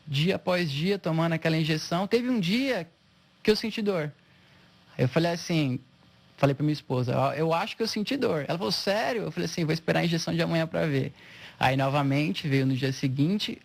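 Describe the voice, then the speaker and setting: Brief: man, 30s, slightly raised pitch, gravelly texture, lively storyteller who acts out what people said. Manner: animated, acts out quoted dialogue. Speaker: interviewee, spinal injury patient. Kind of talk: emotional personal storytelling.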